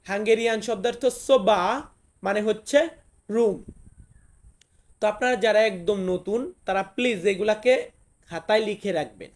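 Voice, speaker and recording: Man, high-pitched, from Bangladesh, casual vocabulary lesson, repeats words slowly, talks to viewers. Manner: repeats each word slowly, addresses viewers directly. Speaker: language teacher.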